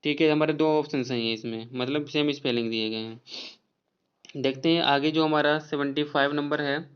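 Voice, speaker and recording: A man's voice: on the high side, fairly even intonation, normal speed, clean tone, highs cut off. A man teaching exam spelling questions, going over each option and spelling words out letter by letter.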